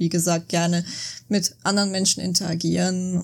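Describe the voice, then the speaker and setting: Her dark, mellow voice is somewhat breathy and fairly low-pitched for a woman, with fairly even intonation. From Bavaria, Germany (near Freising). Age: 20s. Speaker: podcast interviewee. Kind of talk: personal interview talk. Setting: at home in her work room.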